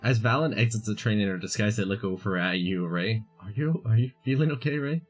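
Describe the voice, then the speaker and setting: A man's voice: on the low side, a little fast, soft background music. A man running a tabletop game as game master, narrating and explaining in a hesitant way.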